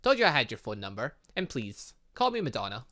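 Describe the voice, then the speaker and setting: A scheming middle-aged mother from a dating game, coy and theatrical , as a man reads her aloud. The voice is mid-pitched, with a lot of swing and a bright, forward tone. She speaks in a smooth, slightly lower manner. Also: huge pitch swings, brisk.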